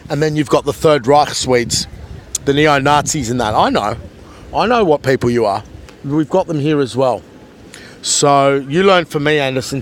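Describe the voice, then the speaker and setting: A man's voice: on the high side, slight background noise. A man vlogging at a beach, rambling and taunting a commenter. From Australia. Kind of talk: rambling vlog monologue. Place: outdoors at a beach.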